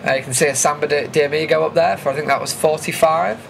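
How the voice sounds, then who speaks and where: Higher-voiced British man narrating, noisy background. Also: steady tone, quick pace, gravelly, fairly bright tone. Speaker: vlogger presenting an event recap. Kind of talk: casual voice-over commentary on footage.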